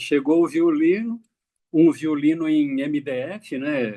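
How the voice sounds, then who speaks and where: A man with a fairly high pitch speaks with very wide pitch swings. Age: 60s. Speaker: retired violin student. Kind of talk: casual interview. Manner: halting.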